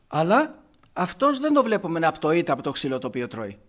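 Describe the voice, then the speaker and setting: A man delivers a sermon, walking his listeners through a Bible story line by line. His voice sits a little high for a man, and he keeps asking rhetorical questions and answering them himself. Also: wildly swooping pitch. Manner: retells scripture with constant "he says", rhetorical questions. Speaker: preacher.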